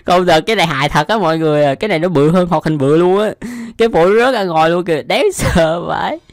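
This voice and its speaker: A man's voice: on the high side, quick pace, dry recording, studio quality. A young man giving casual, exclamation-filled reaction commentary as a YouTube host, often amused by what he watches. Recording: music behind the voice. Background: music.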